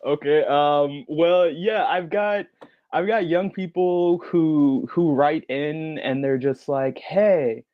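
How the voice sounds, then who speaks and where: A man's voice: fairly high pitch, takes it slowly, no room sound, phone-quality sound. A man speaking as a podcast creator on a panel, answering conversationally and acting out short quotes as he tells stories. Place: remote online panel.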